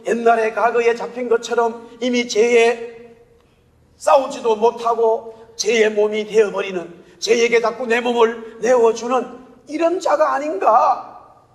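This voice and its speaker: Gyeongsang-accent preacher guy, really high voice, big echoey church hall. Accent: Gyeongsang Korean. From Gyeongsang region, Korea. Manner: lively storytelling with rhetorical questions. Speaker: pastor. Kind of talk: sermon. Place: church sanctuary. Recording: long church-hall reverb.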